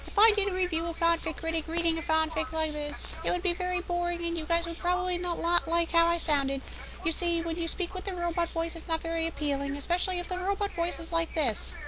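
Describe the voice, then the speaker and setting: A woman's voice: very high-pitched, fairly even intonation, fast talker, voice pushed up. A woman imitating a dull, irritating computer voice in a stilted, robotic way during a web commentary. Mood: droning mockery. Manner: stilted mock-robotic delivery.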